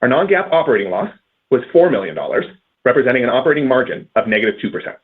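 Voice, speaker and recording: A man reading a scripted earnings call presentation as a company finance executive, in measured corporate phrasing with stressed transitions. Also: medium pitch, sing-song, husky, narrow, tinny audio.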